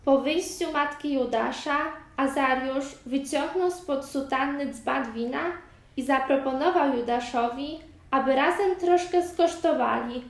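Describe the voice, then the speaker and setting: A woman narrating a story in a steady, even reading voice. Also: sits high, measured pace. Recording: very echoey room, far from mic.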